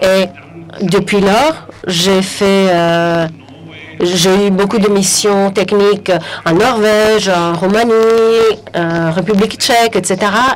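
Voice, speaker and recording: A woman with a non-native accent speaks at a very slow pace, with audible room echo and noticeable background noise. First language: not French (speaking French). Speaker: heritage expert. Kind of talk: conference talk. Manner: halting, many hesitations.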